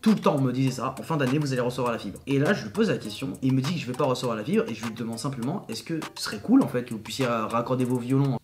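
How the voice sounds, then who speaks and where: A man's voice: mid-range voice, expressive, rapid-fire, hardly any pauses, slight background noise. A man giving casual, slangy commentary in an incredulous, emphatic way, often repeating himself. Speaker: YouTuber commenting on his recorded call.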